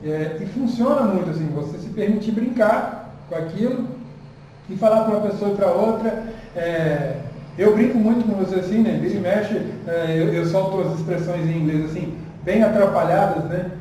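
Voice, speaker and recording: A man speaks in a relaxed, earnest and encouraging way, as a guest teacher in an easygoing chat. His voice is high for a man and mellow. He sits back from the mic in a roomy, echoing space with faint noise underneath. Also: moderate pace. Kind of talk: casual conversation. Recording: echoey room, distant mic, faint noise.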